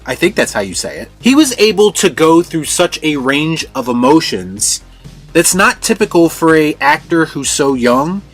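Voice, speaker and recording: Higher-pitched man reviewing over music. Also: big pitch swings, normal speed. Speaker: film review host. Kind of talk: scripted video review commentary. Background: background music.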